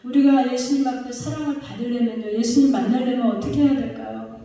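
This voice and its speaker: A woman's voice: on the high side, fairly even intonation, fast, warm tone. A woman pastor preaching a sermon, often putting questions to her congregation. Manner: asks the congregation rhetorical questions. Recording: echoey hall, voice from far off.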